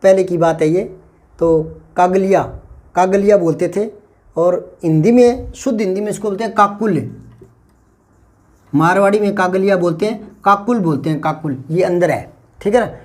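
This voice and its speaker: A man's voice: high voice, normal speed. An older man with a Rajasthani Hindi accent, teaching a Hindi lesson in an explanatory way, often checking that students follow. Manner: explanatory, repeats and checks understanding. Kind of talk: classroom lesson on phonetics.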